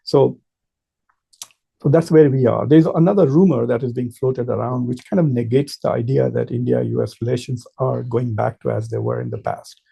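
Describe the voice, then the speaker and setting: A man speaks as an informal commentator, laying out his argument step by step with emphasis. His voice is very dark and mellow, with a husky grain and plenty of gravelly creak. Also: medium pitch, lively intonation, normal speed. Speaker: political commentator and professor. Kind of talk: informal political commentary to camera.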